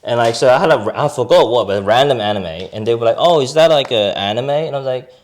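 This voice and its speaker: A man's voice: mid-range voice, animated, quick pace. A young man with an Australian accent with a slight Asian edge, chatting as a podcast guest, telling stories with lots of "like" and "right?" and frequent laughter. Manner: chatty storytelling, laughing, many fillers like "like" and "right?". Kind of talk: casual interview chat.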